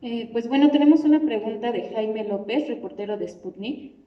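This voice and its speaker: A woman's voice: a little high, normal speed. A woman, moderating a press conference, reading out a submitted question. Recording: dull echoey room, distant.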